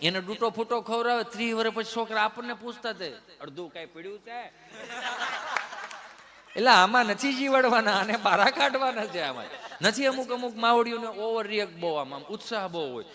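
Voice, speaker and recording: Lively Kathiawadi Gujarati comedian. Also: male voice, sits high, a little fast, a crowd in the background. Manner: animated storyteller who mimics family members. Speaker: stand-up comedian. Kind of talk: stand-up comedy monologue.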